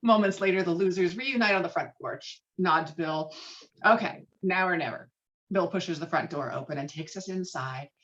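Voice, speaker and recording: Woman narrator for a horror screenplay read, lowish voice, dramatic delivery, muffled lo-fi video-call audio. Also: normal speed, a bit bright. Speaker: narrator reading stage directions. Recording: dull lo-fi video call sound.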